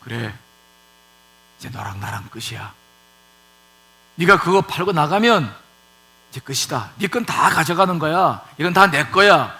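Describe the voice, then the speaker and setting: A man voicing a resentful older brother, speaking low and cold as he cuts off his sibling. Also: lively intonation, unhurried, pauses often, sharp tone, full character voice. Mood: bitter, cold.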